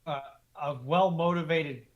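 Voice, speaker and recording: A man's voice: on the high side, a little slow, muffled recording. A man from the United States, a panelist trading casual banter in a dry, sardonic way.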